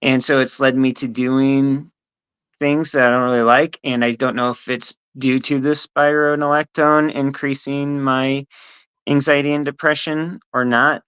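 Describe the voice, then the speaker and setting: A trans woman speaking as a podcast guest, hesitant and soft-spoken with frequent ums. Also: rumbling low, little pitch movement, measured pace, clear, resonant tone, highs cut off. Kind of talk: casual podcast conversation.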